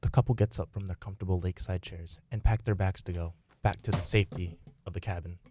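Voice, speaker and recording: A man's voice: sits low, fairly even intonation, quick pace, noisy background. A man narrating a live radio play from a script in a theatrical storytelling style. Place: radio studio, live performance.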